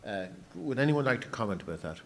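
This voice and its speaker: A man acting as facilitator at a public convention, briskly organizing the next comments. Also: mid-range voice, very animated, creaky. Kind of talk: chairing a discussion.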